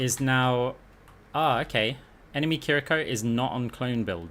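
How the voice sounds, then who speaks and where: With an English accent, a man talks at a fairly slow pace and medium pitch, using ordinary pitch variation. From England, north of London. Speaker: gaming streamer. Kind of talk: live gameplay commentary. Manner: casual, thinking aloud.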